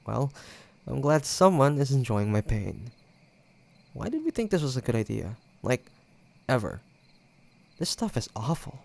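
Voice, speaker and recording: A man acting a playful, teasing young ex-boyfriend in an intimate roleplay audio drama, talking casually with hesitant pauses and a creaky edge. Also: mid-range voice, sing-song, a little mellow. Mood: disgusted, wry.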